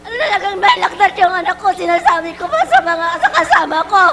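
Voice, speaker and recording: Female Filipino testimony giver, tearful, animated and very shrill pitch, noisy crowd recording. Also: fairly quick. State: tearful, overwrought. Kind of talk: emotional personal testimony.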